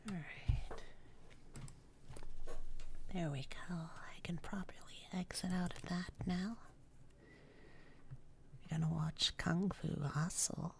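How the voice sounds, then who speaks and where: Slow gravelly whispering woman. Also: on the low side, fairly even intonation, slight background noise. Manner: soft unvoiced whisper, rambling and chatty. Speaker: streamer. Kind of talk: whispered ASMR-style stream chat.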